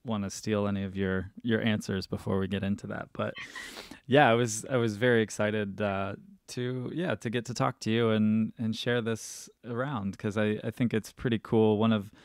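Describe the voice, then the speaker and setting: A man's voice: fairly low pitch, fairly even intonation, moderate pace, no room sound, studio quality. A man hosting a podcast interview, chatty and enthusiastic, rambling with frequent restarts. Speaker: podcast host. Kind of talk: casual interview chat.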